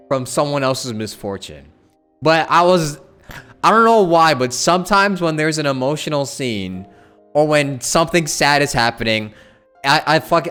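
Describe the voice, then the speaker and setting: A man's voice: mid-range voice, bright, forceful tone. A man chatting casually while streaming a game, rambling, repeating himself and swearing. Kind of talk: casual live game commentary. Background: game music.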